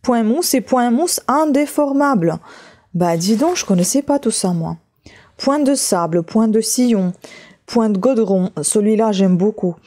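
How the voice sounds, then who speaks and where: Mellow-voiced Russian-accented woman, casual vlogger. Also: on the high side, expressive, unhurried. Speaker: craft vlogger. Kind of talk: casual unboxing chat while leafing through a book.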